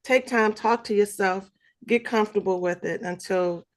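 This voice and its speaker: A woman's voice: medium pitch, moderate pace. Woman on a video call, giggly and laid back, rambling through her tips. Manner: giggly, relaxed, rambling advice. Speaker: participant sharing tips. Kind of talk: casual video call chat.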